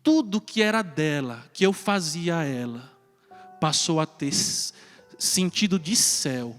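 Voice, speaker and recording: A man's voice: on the high side, lively intonation, measured pace. A man, a priest giving a homily at Mass and telling a personal story earnestly, chuckling now and then. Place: church. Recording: reverberant church with soft music.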